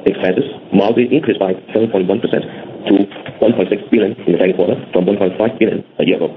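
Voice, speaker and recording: A man's voice: lowish voice, steady tone, fast, faint music behind. A man reading out a scripted financial presentation as a company executive over a phone line. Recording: narrow phone line with faint noise.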